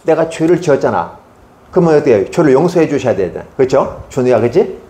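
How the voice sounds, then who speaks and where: A male Sunday school preacher addressing children, animated and constantly asking them questions. His pitch is mid-range but swings widely as he speaks. The voice rings around an echoey church hall. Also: fast talker. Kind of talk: sermon to children.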